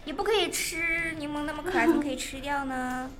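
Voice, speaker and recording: A woman's voice: high-pitched, a little fast, loud music behind the voice. A young woman chatting casually on a podcast, playful and mock-earnest. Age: young adult. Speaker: podcast co-host. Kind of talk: casual chat.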